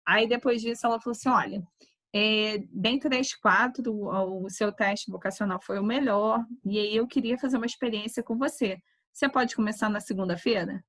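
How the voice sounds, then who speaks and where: A woman, a nursing teacher talking casually to her class and telling a lively anecdote full of quoted voices. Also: mid-range voice, moderate pace, no echo. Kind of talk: casual class talk, storytelling. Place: online class.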